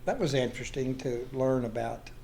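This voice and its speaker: An older man, telling folksy anecdotes in an unhurried way, in short phrases with pauses. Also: mid-range voice, gravelly, warm tone. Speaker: guest storyteller.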